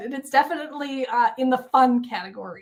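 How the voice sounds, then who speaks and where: A woman is speaking. Her voice sits high in pitch. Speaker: YouTuber and life coach. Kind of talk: live stream chat. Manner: casual, filler-heavy.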